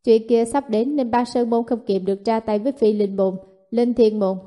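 A woman voicing an aged male elder in blue robes who speaks in a slow, measured murmur. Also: a little high, steady tone, warm tone, close to an everyday voice. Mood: grave.

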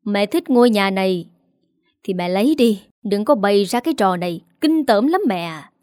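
Reproachful, shouting adult son, read by a woman storyteller; mellow voice. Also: mid-range voice, lively intonation, normal speed, no room sound, clean studio sound, natural voice. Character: bitter grown eldest son.

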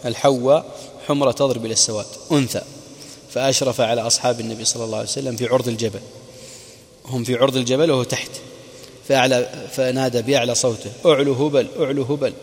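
A man, a sheikh, giving a religious lecture that retells old narrations and adds quick glosses of archaic words. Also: mid-range voice, little pitch movement, in a large hall. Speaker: sheikh teaching prophetic biography.

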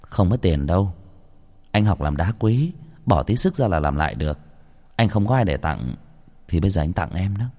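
Man voicing a gentle young suitor, low and soft, hall echo. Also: very animated, moderate pace, long pauses, exaggerated voice. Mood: tender. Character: kind, shy young man in love.

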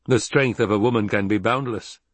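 A man's voice: fairly low pitch, fairly quick, dry recording, lightly acted. A man playing a tall, stern desert tribal leader in an audiobook, speaking formally and with authority. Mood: measured, probing.

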